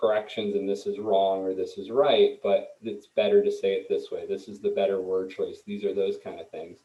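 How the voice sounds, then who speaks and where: This man speaks with a Philadelphia accent. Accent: Philadelphia-area American. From US Northeast, South Jersey. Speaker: author and alumnus presenter. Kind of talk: webinar presentation. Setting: video webinar. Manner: hesitant, many fillers.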